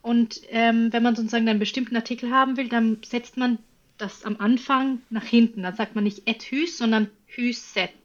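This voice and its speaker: A woman's voice: fairly high pitch, steady tone, brisk, dull audio. A woman from Norway with a Norwegian accent, chatting casually as a guest, explaining with examples and laughing often. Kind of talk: casual chat.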